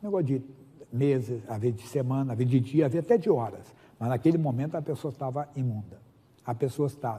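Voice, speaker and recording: A man's medium-pitched, somewhat breathy voice with a dark, mellow tone, a Brazilian accent, ordinary pitch variation and a very fast pace. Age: 60s. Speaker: pastor. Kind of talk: sermon.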